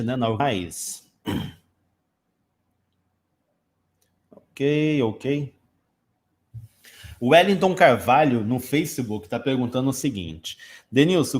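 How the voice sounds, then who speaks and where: A man's voice: a little high, darkish tone. A man with a Brazilian Portuguese accent, an English teacher answering viewer questions in a casual live stream, explaining patiently with everyday examples.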